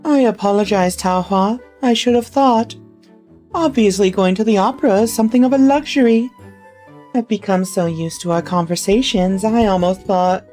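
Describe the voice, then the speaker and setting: A woman's voice: mid-range voice, moderate pace, warm tone, faint music behind, natural voice. A woman voicing an elderly, courteous English noblewoman in a genteel, effusive old-lady voice as she reads a story. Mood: apologetic. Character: elderly English noblewoman, fond, courteous, passionate about opera.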